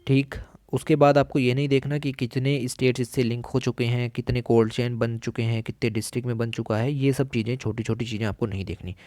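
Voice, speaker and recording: A man teaching an exam-prep lesson, explaining a magazine and slowing down to read quoted lines. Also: medium pitch, level tone, mellow, no room sound. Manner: explains in Hindi, switches to slow, deliberate English for quoted lines; frequent "theek hai" and "alright" check-ins with the listener. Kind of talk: recorded lesson reading through a magazine.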